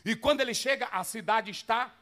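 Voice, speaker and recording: A pastor preaching to pastors, swinging between loud shouted passages and low asides and firing rhetorical questions at the listeners. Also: male voice, brisk. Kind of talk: Pentecostal-style preaching to pastors.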